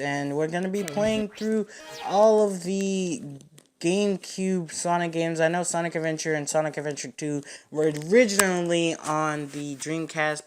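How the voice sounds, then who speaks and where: A man hosting a gaming playthrough in a casual, rambling, slangy way, as let's-play commentary. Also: fairly high pitch. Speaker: video game streamer and host. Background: video game music.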